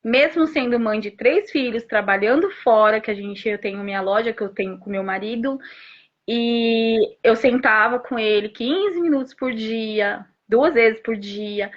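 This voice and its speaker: Animated woman telling her story, lo-fi. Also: on the high side. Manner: animated storytelling with frequent restarts and rapid asides. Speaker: mother giving a testimonial. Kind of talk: emotional personal testimony on a live stream. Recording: dull lo-fi stream audio.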